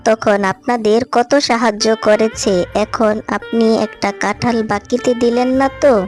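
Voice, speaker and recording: A woman's voice: fairly high pitch, little pitch movement, normal speed, soft background music, close to an everyday voice. A woman voicing a poor widowed mother fox in a cartoon, who scolds her daughter and begs a shopkeeper for credit. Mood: hurt. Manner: scolding yet pleading. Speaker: narrator as well. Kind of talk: cartoon voice acting.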